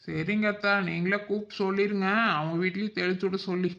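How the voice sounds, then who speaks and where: A man playing a teasing, sharp-tongued young village wife in a cartoon. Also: high voice, steady tone, quick pace, creaky, highs cut off. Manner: teasing, cheeky. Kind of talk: cartoon voice acting.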